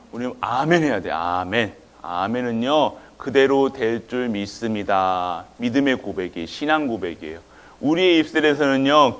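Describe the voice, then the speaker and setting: A man's voice: medium pitch, fairly bright tone. A male pastor preaching a sermon in a church, often quizzing the congregation and waiting for their answers. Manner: quizzes the congregation with call-and-response questions.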